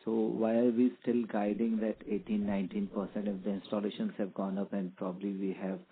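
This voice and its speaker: Low-voiced analyst on phone. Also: male voice, level tone, fairly quick, crowd noise. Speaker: financial analyst asking questions. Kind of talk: earnings call questioning. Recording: narrow phone line with faint noise.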